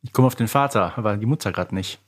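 A man's voice: fairly low pitch, fast talker. A man chatting casually as a contestant in a podcast quiz. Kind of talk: casual chat.

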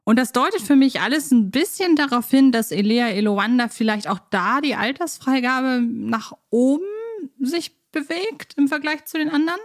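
A woman's voice: high-pitched, normal speed, few pauses. A woman talks as a podcast co-host. Her delivery is chatty and enthusiastic, in a casual discussion style.

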